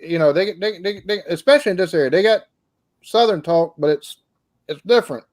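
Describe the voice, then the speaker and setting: A man's voice: sits high, fairly quick, darkish tone. A man in casual chat who rambles, repeats words and swears freely. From not from this area.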